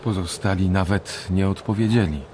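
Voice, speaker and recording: A man narrating a dark story as a scripted radio drama. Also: low voice, steady tone, moderate pace, background noise.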